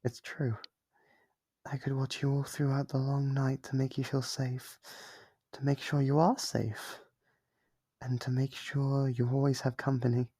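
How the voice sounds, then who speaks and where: Man voicing a breathy, obsessive lonely demon. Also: medium pitch, flat delivery, mellow, no room sound. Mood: yearning, coaxing. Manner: intimate, coaxing, hesitant pauses. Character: lonely, devoted, obsessive sealed demon, tender and clingy. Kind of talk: ASMR roleplay monologue.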